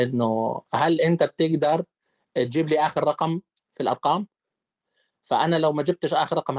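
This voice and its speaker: A man's voice: on the high side, no room sound, studio quality. A man hosting a casual online debate, firing off rhetorical questions. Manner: animated, rapid-fire rhetorical questions.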